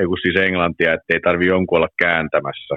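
This man has a very deep, low-pitched voice. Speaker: ice hockey coach. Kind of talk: interview. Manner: repetitive, halting phrasing.

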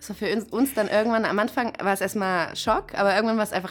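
The speaker is a woman with a medium pitch. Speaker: best friend of host, sex worker. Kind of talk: casual chat.

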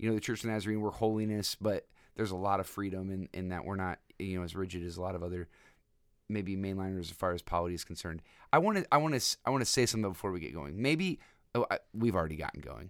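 A man speaks at a very fast pace in a very deep, low voice. His pitch varies in an ordinary way. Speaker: podcast co-host, church pastor. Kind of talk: casual conversational discussion. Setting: studio. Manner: bombastic, loud.

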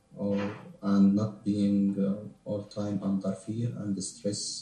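A man with an Arabic accent speaks at a very slow pace. His fairly low voice has a dark, mellow tone and is somewhat breathy. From Gaza, Palestine. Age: 20s. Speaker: software engineering student. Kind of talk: interview testimony. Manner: halting.

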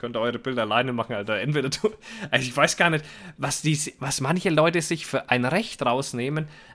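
At a fairly quick pace, a man speaks at a medium pitch with ordinary variation and a bright, sharp tone. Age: 30s. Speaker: podcast co-host, hunter. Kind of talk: casual chat. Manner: animated.

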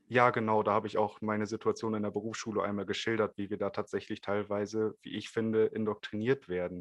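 A man talks at a very fast pace with hardly any pauses, his fairly low voice flat and monotone. The sound is dry and close with no echo, over a quiet background. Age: 20s. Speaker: trainee bookseller. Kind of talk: casual interview.

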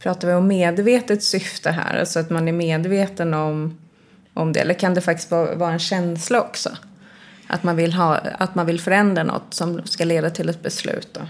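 Monotone, flat intonation marks a woman's fairly low-pitched voice as she talks at a moderate pace. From Stockholm southern suburb. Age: 40s. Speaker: podcast co-host, life coach. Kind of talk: casual chat.

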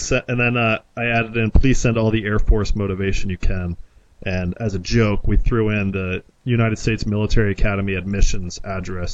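With an ordinary speaking voice, a man talks at a fairly quick pace, his fairly low pitch held in fairly even intonation. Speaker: podcast co-host. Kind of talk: casual chat.

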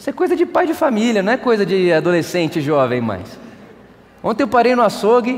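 Very wide pitch swings at a moderate pace, with noticeable background noise. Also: man. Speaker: pastor. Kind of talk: sermon. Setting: church.

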